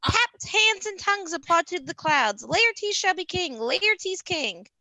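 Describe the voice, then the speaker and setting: Urgent royal messenger woman in the role, bright forceful declamation, swooping pitch, dry close sound, amateur Shakespeare reading. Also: sing-song, slow, no echo, heavily acted, rough recording. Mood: urgent, alarmed. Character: alarmed male messenger warning his king. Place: remote livestream from separate location.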